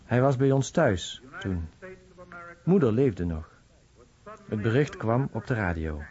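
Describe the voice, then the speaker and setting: Lowish male voice-over reader. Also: animated, slow, darkish tone. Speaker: voice-over translating an interviewee. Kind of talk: scripted voice-over of personal recollections. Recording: dull, muffled broadcast recording.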